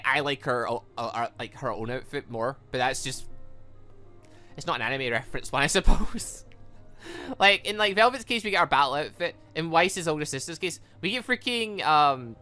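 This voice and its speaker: An animated man with a bright, forceful voice gives casual gaming commentary. He rambles, trails off and corrects himself. Faint music plays behind him. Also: fairly high pitch. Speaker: gaming video host playing a visual novel. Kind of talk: casual let's-play commentary, reading game dialogue aloud.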